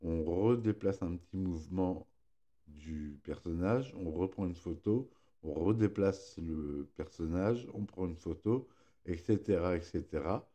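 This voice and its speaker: A man's voice: deep voice, dark tone. A man presenting a scripted film review, reading aloud with slightly impeded articulation and occasional stumbles that he corrects. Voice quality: slightly impeded articulation from a fresh tongue piercing. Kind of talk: scripted narration read aloud, film chronicle.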